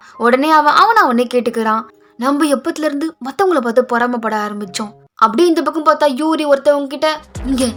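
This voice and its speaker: A woman speaks at a high pitch, with noticeable noise in the background. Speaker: anime voice-over narrator. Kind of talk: anime episode recap narration. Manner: casual, storytelling.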